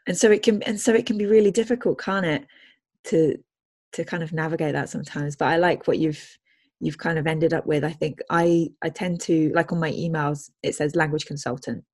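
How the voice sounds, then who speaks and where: A woman host with a fairly low voice chats with her guest in a friendly, easygoing way. She laughs easily and thinks aloud as she talks. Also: steady tone, fairly quick, darkish tone. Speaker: language consultant and podcast host. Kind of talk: casual interview chat.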